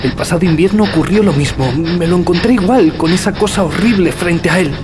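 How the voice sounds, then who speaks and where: Male actor as earnest, anxious young friend in horror radio drama, high-pitched, over clear music. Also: fairly quick, natural voice. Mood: uneasy. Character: uneasy young male student, worried friend. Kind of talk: audio horror drama acting.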